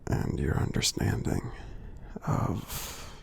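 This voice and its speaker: A man voicing a friendly, kindly giant in an ASMR roleplay, speaking softly and breathily with a gravelly edge, in a tender, halting, encouraging way. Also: close to an everyday voice. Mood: earnest, encouraging. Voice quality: soft, breathy, half-whispered, gravelly. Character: gentle friendly male giant, kindly and reassuring.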